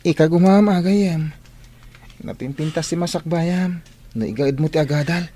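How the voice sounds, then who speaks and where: Mellow teenage schoolboy friend acted by a man. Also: on the high side, moderate pace, natural voice. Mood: encouraging. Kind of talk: Ilocano radio-style drama acting.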